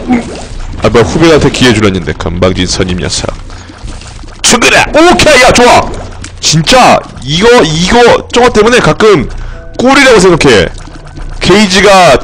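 A young man commenting on his game play for viewers, joking, swearing and breaking into sudden shouts. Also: fairly high pitch. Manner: excitable, swearing, jokey outbursts and shouts. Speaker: game streamer.

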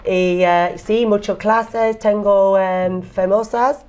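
A woman in her forties, a native English speaker, answering interview questions haltingly in accented, non-native speech, searching for words. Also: mid-range voice, steady tone, darkish tone, clean tone. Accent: English-speaker's accent in Spanish. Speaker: interview guest, event organiser. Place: indoor room, seated interview.

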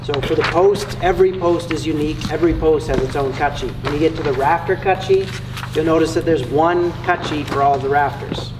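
A man teaching a timber framing workshop, explaining each step clearly and methodically. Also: fairly high pitch, brisk, background noise. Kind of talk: workshop instruction.

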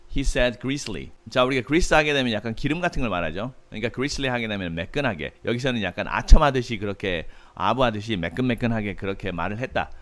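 A male tutor with a mid-range voice, unhurried and patient, who reads English phrases slowly and carefully before explaining them. He pauses often with small "uh" fillers as he works through the text like a lesson. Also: mid-range voice, a bit bright. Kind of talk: book-reading lesson, reading English aloud and explaining in Korean.

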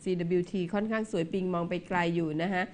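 A woman hosting a radio business talk show, chatty and teasing, firing off quick questions. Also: fairly low pitch, fairly even intonation, a little mellow. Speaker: radio host. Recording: radio audio with faint ambience.

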